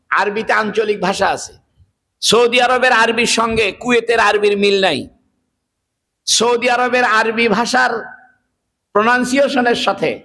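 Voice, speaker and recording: A man's voice: very high-pitched, sharp tone. A man giving a sermon, explaining earnestly and asking rhetorical questions. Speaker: Islamic preacher.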